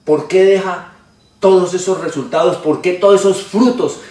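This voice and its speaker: A man preaches with a high voice, piling up long repeated lists and hesitating with "eh" between phrases. He stands some way from the mic, and the room rings around him. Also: steady tone, moderate pace, a little mellow. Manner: frequent hesitations with "eh". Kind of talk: sermon. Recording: roomy, distant from the mic.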